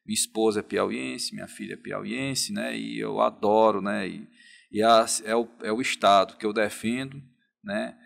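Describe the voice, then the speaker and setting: A man's voice: lowish voice, fairly even intonation, moderate pace, creaky, a bit bright. A man, answering as a guest professor in a podcast interview, hesitant and tagging his sentences with questions. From Piauí, Brazil. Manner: hesitant, frequent tag questions.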